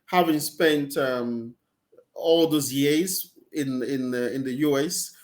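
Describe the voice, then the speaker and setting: A man's voice: medium pitch, slow. A middle-aged man with a Nigerian accent, a Catholic priest talking over a video call. He often repeats words as he searches for the right phrasing. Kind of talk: casual interview conversation. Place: small room with plain white walls, indoors. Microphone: video call, laptop or webcam.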